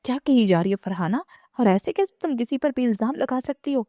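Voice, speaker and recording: A stern, scolding mother, voiced by a woman narrator in a storybook reading, sharp and angry. Mellow, dark tone, recorded dry and close. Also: a little high, animated, dry recording, pitched above the performer's own voice, close to an everyday voice.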